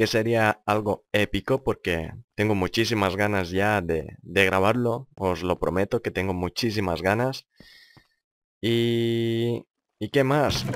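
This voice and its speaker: A man's fairly low voice at a very slow pace, ordinary pitch variation, and a dry, close sound with no echo. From Lithuania. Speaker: gaming youtuber. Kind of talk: gameplay commentary.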